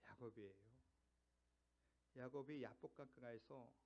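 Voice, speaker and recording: A man's voice: mid-range voice, measured pace, darkish tone, highs cut off. A middle-aged male pastor preaching a sermon, building his points through strings of rhetorical questions and climbing to emphatic peaks.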